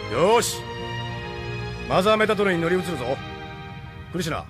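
An actor playing a gruff, easygoing male spaceship captain with a brusque, casual way of talking. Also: sits high, lively intonation, normal speed. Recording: music bed under the voice.

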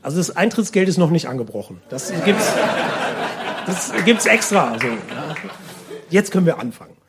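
A man's voice: a little high, very animated, normal speed, over a noisy crowd, heavy background noise. A male comedian performing a live monologue in a wry, colloquial and theatrical way. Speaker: stand-up comedian and slam poet. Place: live stage before an audience. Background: audience laughter.

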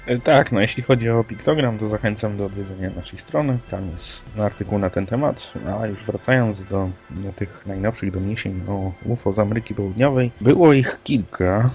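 Male co-host, deep-voiced, conversational and hesitant, over a faint music bed. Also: moderate pace, few pauses, a little mellow. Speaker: podcast co-host. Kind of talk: conversational presentation of news reports. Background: background music.

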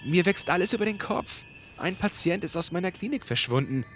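An actor playing an anxious, desperate doctor in an audio drama, hesitant and pleading. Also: male voice, high-pitched, expressive, fairly quick, fairly bright tone, a little hiss or hum. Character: anxious, desperate male doctor seeking help. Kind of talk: German audio drama acting. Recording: faint music behind the voice.

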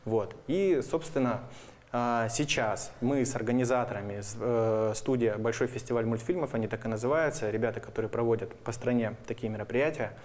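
A man's voice: medium pitch, fairly quick, darkish tone. A man in his thirties explaining things casually as a guest in a studio interview. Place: television studio, indoors. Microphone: lapel microphone.

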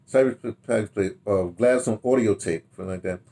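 An American man in his sixties reminisces casually in a rambling, halting way, repeating words and throwing in animated asides, recorded in a home study. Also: lowish voice. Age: 60s. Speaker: radio drama director telling his history. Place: small home study, indoors.

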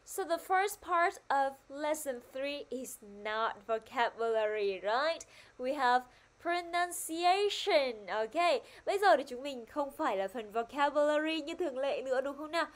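A woman's voice: high voice, expressive, measured pace. A woman teaching a primary-school English lesson online, upbeat and coaxing. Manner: upbeat, coaxing, switches between two languages.

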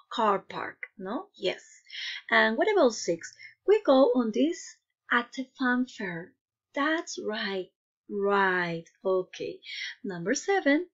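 A woman's voice: on the high side, lo-fi sound. A woman teaching young children in the manner of a kids show host, encouraging and prompting them with questions and short checking tags. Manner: kids show host style, encouraging, addressing viewers directly; frequent questioning tags like "no?" and "okay?". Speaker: primary school English teacher. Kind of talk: children's online lesson, prompting pupils with questions.

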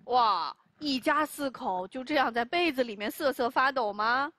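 A woman telling a story to children in an animated, exclamatory way. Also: high-pitched, normal speed, no room sound.

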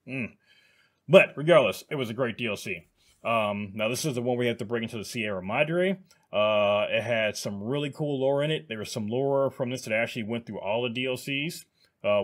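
A man's voice: lowish voice, a little fast. A man hosting his gaming channel, chatting casually with many fillers and restarts. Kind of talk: casual video commentary.

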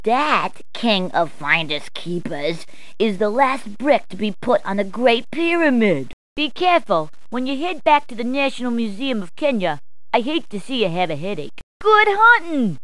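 A woman's voice: a little high, very animated, normal speed, a bit bright, dry recording. A chirpy punning policewoman. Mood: upbeat. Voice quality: punny, chirpy quips. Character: cheerful female city police officer. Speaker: in-game helper character. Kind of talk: video game voice clips.

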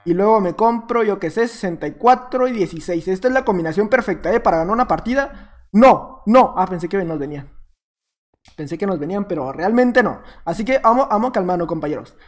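A man with a Mexican accent giving jokey, casual commentary while playing a game, talking to himself and to opponents, jumping between loud outbursts and muttered asides. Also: high voice, animated, a little fast. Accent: Mexican Spanish. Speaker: gaming YouTuber.

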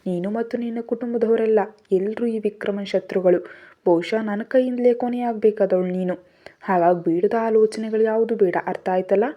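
A woman's voice: medium pitch, steady tone, normal speed, natural voice. Woman voicing a curt, cold young husband. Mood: stern. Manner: curt, scolding, loud. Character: harsh, cold young husband, gruff and commanding. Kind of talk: storybook narration. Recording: dull lo-fi audio.

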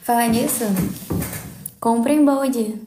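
A woman's voice: a little high, takes it slowly, roomy sound, slight background noise. A young adult woman with a Brazilian accent chatting casually and playfully on a livestream. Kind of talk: casual live-stream chat. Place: small indoor room at home.

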